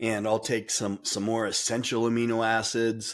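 Against a quiet background, a man speaks. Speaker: guest. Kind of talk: interview answer. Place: home room. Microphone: webcam.

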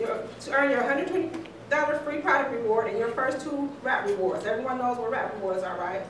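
Against noticeable background noise and audible room echo, a woman with a high pitch speaks at a moderate pace with lively intonation. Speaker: network marketing team leader. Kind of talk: business training talk. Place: meeting room. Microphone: camera far.

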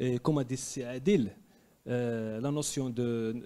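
A man talks in a medium pitch. The ups and downs of his voice are ordinary. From Morocco. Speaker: banker and mountaineer; guest. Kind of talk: personal testimony; seminar talk. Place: hall. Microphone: handheld.

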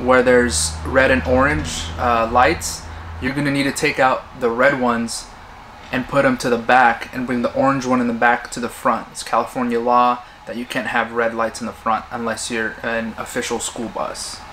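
With light background noise behind him, a man speaks at a moderate pace with ordinary pitch variation. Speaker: bus conversion vlogger. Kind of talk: casual vlog chat. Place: bus. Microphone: phone near.

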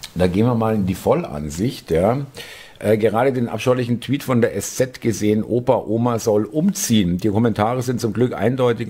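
A man's animated tone at a moderate pace, with ordinary pitch variation. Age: 50s. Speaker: political commentator. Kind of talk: video commentary. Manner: halting, many filler sounds; animated, indignant.

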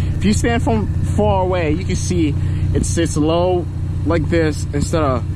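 A man is heard in a dry sound with no echo over loud background noise. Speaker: car owner vlogger. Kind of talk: casual vlog chat. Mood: upbeat, proud. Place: open country. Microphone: phone near.

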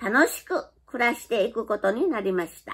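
The background here is quiet. A woman speaks at a fairly slow pace. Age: old. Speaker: retired fishmonger and farmer. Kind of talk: reading a personal essay aloud. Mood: calm, warm. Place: home room. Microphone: phone near.

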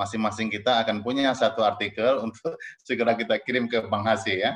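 A man's medium-pitched voice at a fairly quick pace over light background noise. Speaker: moderator, university lecturer. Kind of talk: moderating a webinar. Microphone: video call.

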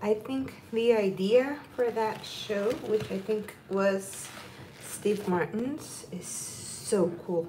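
Soft-spoken and very slow, a woman talks at a fairly high pitch with ordinary pitch variation over light background noise. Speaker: ASMR content creator. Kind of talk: ASMR livestream chat, casual talk to camera. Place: kitchen. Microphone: phone near.

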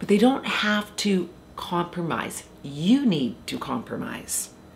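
The voice is somewhat breathy and swings very widely in pitch. Light background noise sits behind it. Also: woman. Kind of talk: advice vlog talk. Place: home room.

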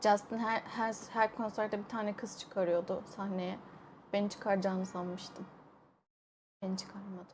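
A soft-spoken woman talks at a moderate pace and medium pitch in a calm tone. Her voice is somewhat breathy, with monotone, flat intonation. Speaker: streamer's girlfriend. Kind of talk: casual chat.

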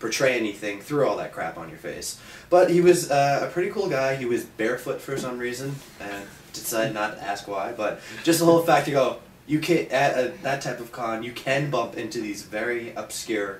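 Over music in the background, a man talks at a fairly quick pace with audible room echo. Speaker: podcast panelist. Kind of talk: casual anecdote in group chat. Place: home room. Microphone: camera far.

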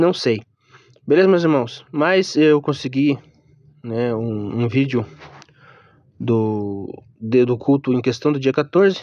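Using a dark, mellow tone, a man speaks very slowly at a medium pitch, with lively intonation and long, frequent pauses. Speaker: YouTuber commenting on church sermon. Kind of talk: casual vlog commentary. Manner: casual, hesitant, filler-heavy.

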